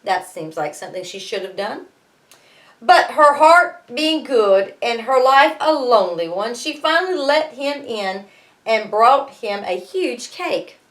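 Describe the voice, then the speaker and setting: A woman's voice: a little high, a bit bright. A woman, a teacher reading a story aloud expressively and adding wry explanatory asides. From United States. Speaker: schoolteacher reading aloud to students.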